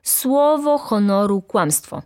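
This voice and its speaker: A woman voicing a hot-tempered, indignant poor young male student who shouts in outrage. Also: medium pitch, expressive, a little slow, pitched above the performer's own voice.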